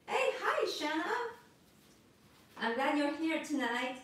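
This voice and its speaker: A woman's voice: high voice, very animated, slow pace, a bit bright. A woman in her thirties with a French accent, hosting a live art masterclass and greeting viewers, hesitant with many ums and restarts. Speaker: art instructor hosting a livestream. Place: home studio room with art supplies on a table. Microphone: camera a few feet away. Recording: echoey room, voice from a distance.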